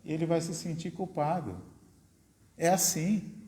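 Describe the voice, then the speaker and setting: A Brazilian man gives a spiritist lecture in an unhurried, drawn-out way, with a voice that sits a little high for a man. He keeps checking in with his listeners and poses rhetorical questions as he goes. The sound rings through a roomy hall with a long reverb tail. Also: mellow. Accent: Brazilian Portuguese. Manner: conversational, tags sentences with "né?", asks rhetorical questions. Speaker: lecturer at a spiritist study center.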